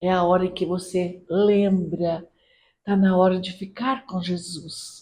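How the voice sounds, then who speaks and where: A woman is speaking. Her pace is very slow. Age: 70s. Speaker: spiritist lecturer. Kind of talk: religious lecture. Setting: lecture hall with live audience, streamed. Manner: conversational.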